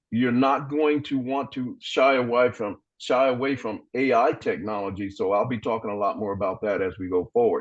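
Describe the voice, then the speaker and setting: The background is quiet as a man talks at a moderate pace in an unremarkable speaking voice. He has a medium pitch with ordinary pitch variation. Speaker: general evaluator at a speaking club meeting. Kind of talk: meeting evaluation feedback.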